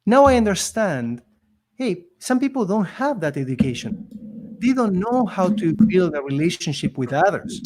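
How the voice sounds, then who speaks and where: Guy with an accent, slightly high voice, earnest and emphatic, podcast guest storytelling. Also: a little hiss or hum, poor audio. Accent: non-native accent in English. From immigrant living in Canada. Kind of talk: conversational storytelling.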